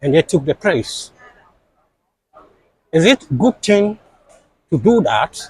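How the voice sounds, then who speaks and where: A man's voice: on the high side, big pitch swings, takes it slowly, breathy edge, dry recording, low-quality recording. A man being interviewed, speaking in an impassioned, insistent way and repeating his points for emphasis.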